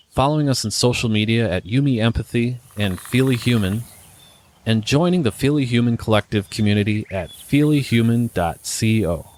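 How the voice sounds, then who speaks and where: A man with a fairly low voice reads the show's scripted opening and disclaimers. His delivery is calm and measured, and a faint hiss sits under it. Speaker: show announcer. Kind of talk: scripted podcast intro.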